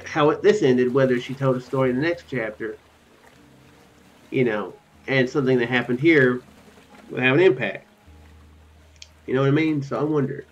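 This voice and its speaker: A drowsy young adult man giving casual game commentary as a video host, musing in a hesitant, rambling way. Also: mid-range voice. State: tired, drowsy. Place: small room at home. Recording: dull lo-fi mic with music. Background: game music.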